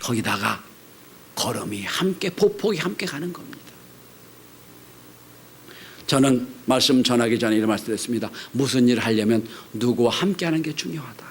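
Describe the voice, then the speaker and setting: A man preaching a Sunday sermon as pastor, swinging between loud cries and hushed, whispered lines. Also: mid-range voice, expressive, normal speed, long pauses, a little hiss or hum.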